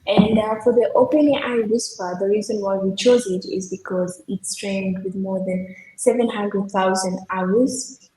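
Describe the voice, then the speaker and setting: A young woman from Kenya, a software developer, explaining her team's project in an earnest way with many fillers. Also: medium pitch, fairly even intonation, measured pace. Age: young adult. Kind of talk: technical project demo. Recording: echoey room with faint background noise.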